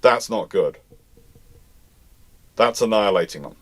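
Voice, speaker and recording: A man with a fairly low voice hosts a live question session. He reads each question out and then explains his answer at length in an informal, unscripted way. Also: lively intonation, a little slow. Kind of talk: live naval history question-and-answer talk.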